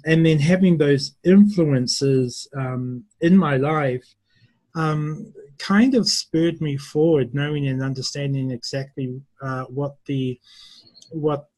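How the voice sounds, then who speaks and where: A middle-aged man from New Zealand, a university English teacher, answering interview questions slowly and thoughtfully, with many pauses. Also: on the high side, dry recording, poor audio.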